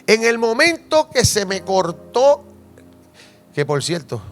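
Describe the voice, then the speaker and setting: A man's voice: high voice, takes it slowly, soft background music. A Puerto Rican man, a pastor, telling a personal testimony in a sermon and asking the congregation questions. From Puerto Rico. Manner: animated storytelling, asks the congregation questions.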